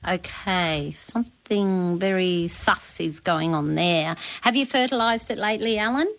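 A woman's voice: on the low side, measured pace. An Australian woman on talkback radio, giving practical advice in a chatty, colloquial way as the resident expert. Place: radio studio.

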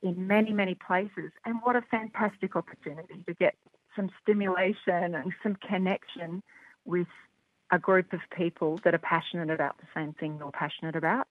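A woman's voice: fairly low pitch, fairly even intonation, moderate pace, dry recording. An Australian woman talks with upbeat enthusiasm, peppering her answers with "um" and "look". The sound is thin and tinny, squeezed through a phone line. Her voice is dry and close. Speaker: rugby development representative. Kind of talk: phone interview guest.

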